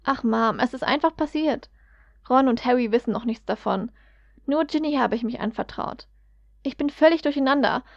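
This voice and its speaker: A flustered young woman, as a woman reader voices her, talking quietly and earnestly with a slightly high pitch. The sound is dry and a bit muffled, like a homemade audio reading. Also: normal speed, creaky, dry recording. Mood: troubled. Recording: dull, dry lo-fi recording.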